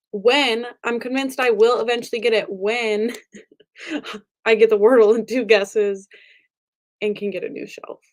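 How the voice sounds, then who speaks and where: A young woman vlogging casually about books from home, rambling with lots of fillers. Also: on the high side. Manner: chatty, rambling, frequent fillers. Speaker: book vlogger. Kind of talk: casual chat. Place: home room with angled ceiling.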